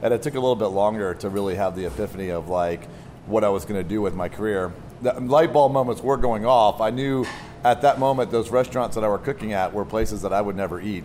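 Talking very fast with an American accent, a man has a fairly low pitch and ordinary pitch variation. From US southeast coast. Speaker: chef and restaurant owner. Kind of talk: casual interview. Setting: mobile studio inside a restaurant. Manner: halting, repeats words.

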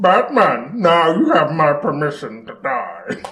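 A man performs a put-on character voice, high in pitch. He delivers it at a fairly slow pace.

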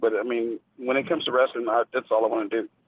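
A man talks at a very fast pace with an American accent. His medium-pitched voice keeps a fairly even intonation. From Memphis, Tennessee, US South. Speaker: professional wrestler. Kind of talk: interview. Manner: halting.

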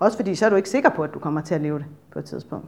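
Her voice has a dark, mellow tone and vocal fry, and her pitch swings very widely. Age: 30s. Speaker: speaker at church event. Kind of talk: talk to a church audience. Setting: stage with audience.

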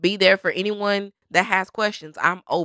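A woman speaks in a bright, sharp tone at a moderate pace. The sound is dry and close with no echo, on a very clean recording with a silent background. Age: 30s. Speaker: business owner. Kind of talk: personal storytelling monologue. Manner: casual, laughing often.

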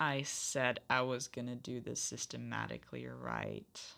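A woman speaks at a fairly slow pace with a Czech accent. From Czech Republic. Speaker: podcast host, Quidditch player and D and D player. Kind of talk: casual, jokey solo podcast monologue. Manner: self-deprecating, jokey, rambling.

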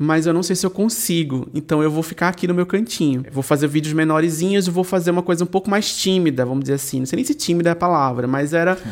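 On a very clean recording with a silent background, a man talks fairly quickly in a high voice with ordinary pitch variation. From Brazil, Recife (Pernambuco). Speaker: YouTuber on pop culture. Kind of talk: casual chat.

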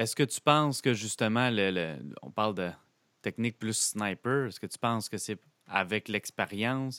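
Recorded very cleanly against a silent background, the sound is dry and close with no echo. A man speaks at a moderate pace in a fairly low pitch with ordinary pitch variation. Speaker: podcast host. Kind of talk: interview. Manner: animated.

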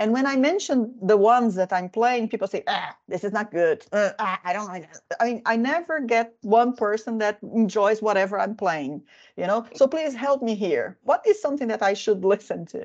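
Against a quiet background, a woman speaks with a Brazilian accent. Her fairly high pitch carries lively intonation at a moderate pace. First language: Portuguese. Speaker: podcast co-host and moderator. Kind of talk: casual round-table discussion. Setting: video call. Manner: animated.

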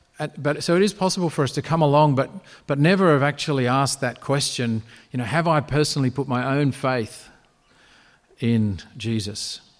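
Speaking at a fairly quick pace, a man with an Australian accent uses lively intonation at a fairly high pitch. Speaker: pastor. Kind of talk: sermon.

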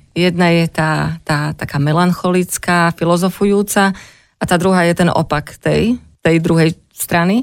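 A woman's unremarkable speaking voice, fairly low in pitch, fairly slow, with fairly even intonation and very even loudness, on a very clean recording with a silent background. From southern Slovakia, Rimavská Sobota. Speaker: handmade craft artist. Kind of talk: radio interview.

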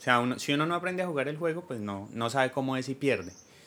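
Here a man with an ordinary speaking voice talks at a medium pitch with ordinary pitch variation. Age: 30s. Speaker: baker and business owner. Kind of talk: interview.

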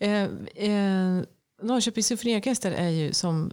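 A woman talks at a medium pitch in a normal speaking voice, with lively intonation and a moderate pace. The recording is very clean, with a silent background. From Finland. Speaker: orchestra violinist, podcast host. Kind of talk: casual chat.

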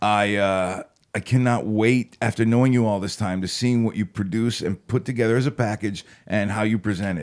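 This man has an ordinary speaking voice, fairly low in pitch. He talks at a fairly quick pace with fairly even intonation. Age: 20s. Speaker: podcast co-host. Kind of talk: casual chat.

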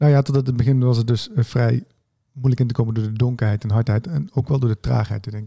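A man speaks at a very fast pace with a medium pitch and ordinary pitch variation. His tone is dark and mellow, and somewhat breathy. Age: 40s. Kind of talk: casual chat.

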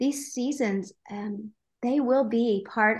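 A fairly high-pitched woman's voice with ordinary pitch variation. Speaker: podcast co-host. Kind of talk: casual chat. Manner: soft-spoken.

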